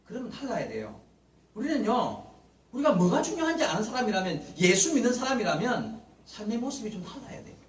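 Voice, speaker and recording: Male pastor, high lively delivery, preaching from a distance in an echoey sanctuary with faint hiss. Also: fairly quick. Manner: animated preaching, acting out Bible figures' lines. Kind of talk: Sunday morning sermon. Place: church sanctuary. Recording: roomy church echo, mic at a distance, faint hiss.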